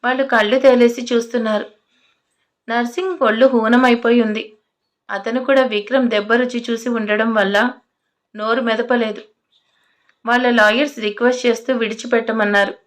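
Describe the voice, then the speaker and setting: A woman's voice: on the high side, fairly even intonation, moderate pace, pauses often. A woman telling a scripted audio story in a dramatic way, voicing the characters' lines herself. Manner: dramatic, voices the characters' threats and shouts herself.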